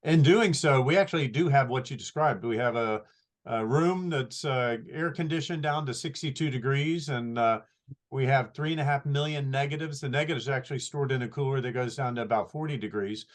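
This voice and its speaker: Measured man explaining as a guest. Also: mid-range voice. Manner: informative, measured, detailed explanations. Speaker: guest, company archivist. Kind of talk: interview answers.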